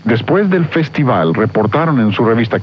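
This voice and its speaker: A man's voice: medium pitch, animated, normal speed. A man teaching a Bible seminar, preaching emphatically and asking his listeners rhetorical questions. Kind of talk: seminar sermon. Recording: dull lo-fi recording with faint noise.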